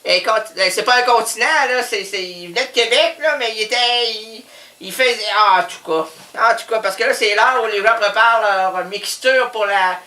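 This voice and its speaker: Radio comedy: man doing a scatterbrained Quebec housewife, high and bright, roomy studio. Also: moderate pace. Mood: rambling. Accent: Quebec French. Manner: rambling, scatterbrained, prone to sudden shouts. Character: rambling older Quebec housewife, cat lover. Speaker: comic character caller. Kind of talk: improvised radio comedy sketch.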